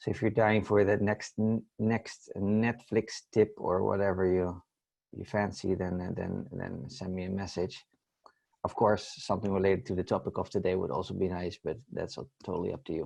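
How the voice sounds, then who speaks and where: A man speaks with a Dutch accent at a moderate pace, his pitch fairly low and his tone dark and mellow. His intonation stays fairly even against a quiet background. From Netherlands. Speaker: agile coach. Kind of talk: webinar presentation.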